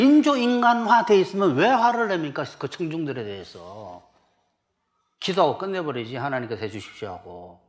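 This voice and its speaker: A middle-aged man from South Korea preaching a sermon as pastor, emphatic and full of rhetorical questions to the congregation. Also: on the high side.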